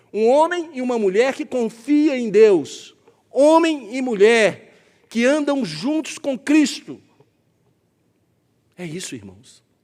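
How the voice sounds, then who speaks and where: A man speaks with an extremely high pitch and lively intonation. His pace is very slow, broken by long, frequent pauses. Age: 60s. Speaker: preacher. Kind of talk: sermon. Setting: church. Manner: emphatic, repetitive exhortation.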